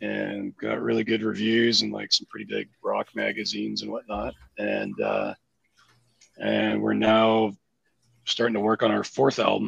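A man with a western Canadian accent, in a dry, close sound with no echo. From Canada, Richmond near Vancouver. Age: 50s. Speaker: rock drummer. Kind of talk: casual chat.

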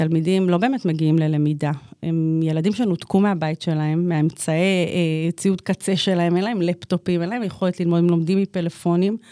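A woman's dark, mellow tone with ordinary pitch variation and very even loudness, on a very clean recording with a silent background. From northern Israel, Kiryat Shmona. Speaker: school matriculation coordinator and graduate student. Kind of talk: interview.

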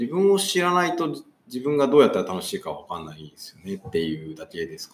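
This man's pitch swings very widely. He moves along at a fairly quick pace. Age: 30s. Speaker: self-employed worker, former company employee. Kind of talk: casual chat.

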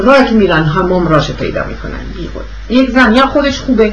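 A woman with a French accent talks at a fairly quick pace with lively intonation. Noticeable background noise and audible room echo are present. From Switzerland, Lausanne. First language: French (speaking Persian). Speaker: interviewee, wife of Iranian doctor. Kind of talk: oral history interview. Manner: halting.

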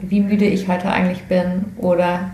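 The room echo is audible here. A woman speaks at a moderate speed. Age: 40s. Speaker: podcast co-host. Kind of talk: casual chat.

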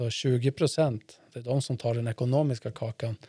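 A man's somewhat breathy, dark, mellow voice, fairly slow and fairly even in intonation, with a dry, close sound and no echo. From Sweden, Uppsala. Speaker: farmer and chef. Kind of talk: casual interview. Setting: studio. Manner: halting.

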